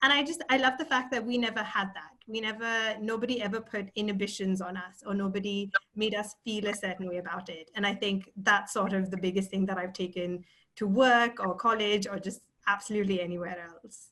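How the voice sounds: Woman with a British accent, medium pitch, fairly even intonation, a fairly bright tone and a fairly quick pace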